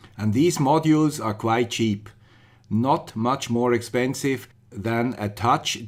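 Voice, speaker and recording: A man with a Swiss accent talks at a very slow pace in a medium pitch on a very clean recording with a silent background. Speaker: electronics YouTuber. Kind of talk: tutorial.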